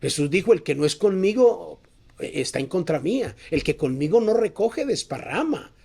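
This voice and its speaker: A man's voice: high voice, big pitch swings, normal speed, vocal fry, a little mellow, slightly rough. A man preaching a sermon as pastor, passionate, repeating questions and acting out quoted voices.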